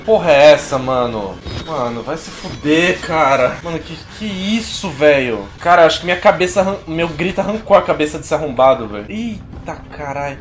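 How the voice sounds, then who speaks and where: A man in his thirties from Brazil streaming a horror game, swearing constantly and yelping in fright, his voice going hoarse. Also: fairly high pitch, expressive, normal speed, few pauses, noisy background. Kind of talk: live gameplay commentary. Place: home streaming room. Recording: game music underneath.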